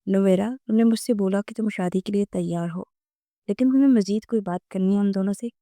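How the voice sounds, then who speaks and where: Woman reading anxious fiancée, earnest, pleading, warm voice, dry sound. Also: medium pitch, dry recording, lightly acted.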